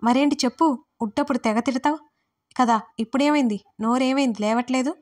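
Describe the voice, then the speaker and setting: A woman's voice: sits high, a little fast, a little mellow, lightly acted. A woman voicing a hurt, demanding adult daughter who confronts her parents in an audiobook family drama. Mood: angry. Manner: reproachful, emotional. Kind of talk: audiobook role reading.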